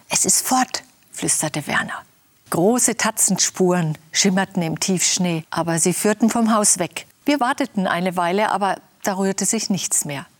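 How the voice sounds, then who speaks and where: Gentle woman telling an Advent story. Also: medium pitch. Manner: gentle, intimate storytelling with whispered quotes. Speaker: devotional speaker.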